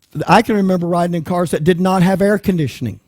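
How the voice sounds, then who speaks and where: His pitch is high, and this man varies it in an ordinary way. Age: 60s. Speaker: Bible teacher. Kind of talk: Bible study lecture. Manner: conversational, with false starts.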